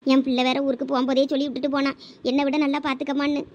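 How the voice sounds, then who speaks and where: A woman voicing a kindly, fretful mother-in-law in a cartoon who soothes and coaxes in a Thoothukudi Tamil accent, a little lower than her other voices. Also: little pitch movement, very fast, a little mellow, highs cut off, natural voice.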